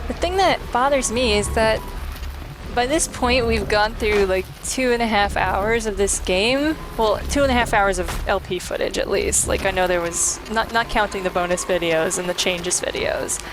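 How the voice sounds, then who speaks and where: A woman's voice: medium pitch, moderate pace, background noise. A woman doing chatty, opinionated let's play commentary on a video game in a casual way. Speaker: host playing and presenting a video game. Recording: game music behind the voice. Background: video game music.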